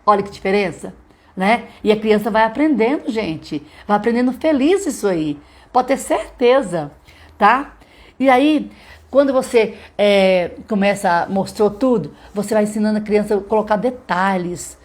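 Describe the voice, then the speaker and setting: A woman's voice: medium pitch, lively intonation, a little slow. A woman, a literacy teacher giving a chatty live-streamed lesson to other teachers, often checking in with her listeners. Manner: chatty, checks in with frequent tag questions.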